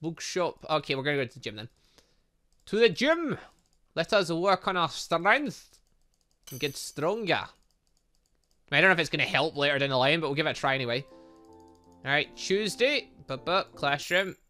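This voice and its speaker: A man casually playing through a story game, reading out its text and thinking aloud. His voice swings widely in pitch. The tone is bright, and he drops in playful little sound effects. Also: very animated, moderate pace, pauses often, faint music behind. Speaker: gaming YouTuber.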